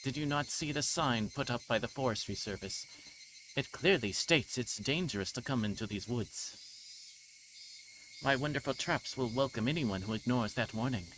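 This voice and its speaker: A man's voice: mid-range voice, moderate pace, noisy background, natural voice. A man reading the part of a stubborn, mischievous young girl from a visual novel. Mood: mischievous, teasing.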